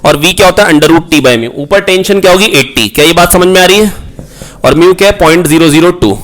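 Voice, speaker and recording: A man's voice: high voice, a little fast, fairly bright tone. Coaxing man teaching physics. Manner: coaxing, repeats key points, calls students "beta"; asks rhetorical questions, prompts answers. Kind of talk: online exam-prep lecture.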